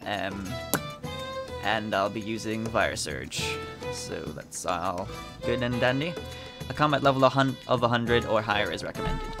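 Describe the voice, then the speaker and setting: A man's voice: lowish voice, measured pace, music in the background. Casual man hosting a game walkthrough. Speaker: game video host. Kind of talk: casual walkthrough commentary, reading quest dialogue aloud.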